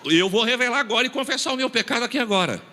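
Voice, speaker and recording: Fast, animated São preacher. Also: male voice, very high voice. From São Paulo state, Brazil. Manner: animated, acts out dialogue, rising to emphatic shouts. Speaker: pastor. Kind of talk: humorous storytelling sermon. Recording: reverberant church hall.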